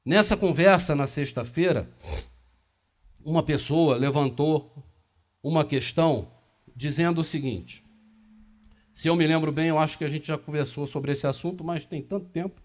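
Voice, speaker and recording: A man in his fifties with a fairly high voice gives a talk at a spiritist center. He speaks conversationally, asking the audience questions as he moves and gestures. The camera picks him up from across a small meeting room. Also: moderate pace, pauses often.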